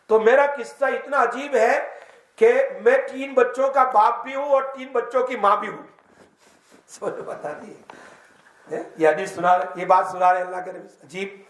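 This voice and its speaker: A very high-pitched man gives a mosque lesson, acting out the story in the first person. He keeps stopping to quiz his listeners. The sound rings around an echoey mosque hall. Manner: lively storytelling, quizzes the audience; tells the tale in the first person. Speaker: Islamic teacher.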